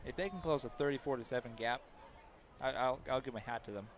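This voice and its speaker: There's faint background noise while a man offers brisk, analytical color commentary at a neighborhood high school football game. Conversational in tone, he tends to abandon sentences and begin them again.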